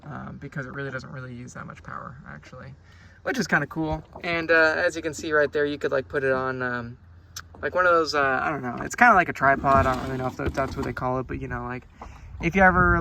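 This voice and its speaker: A man's voice: medium pitch, gravelly, pushed and bright, slight background noise. A man giving a casual, unscripted product review outdoors, rambling along in a laid-back, hesitant way. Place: outdoors on a boat on a lake.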